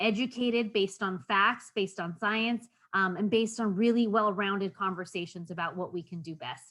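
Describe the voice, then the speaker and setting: Speaking in a Spanish accent, a woman holds a medium pitch. Her intonation stays fairly even. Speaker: state senator. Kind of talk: interview. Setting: video call.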